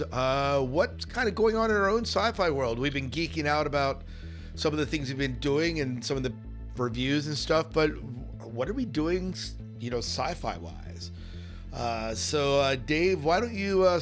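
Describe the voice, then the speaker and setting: A man's voice: a little high, moderate pace, faint music behind. A man hosting a casual podcast in an upbeat, loose way, passing the turn to a co-host. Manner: upbeat, loose, filler-heavy.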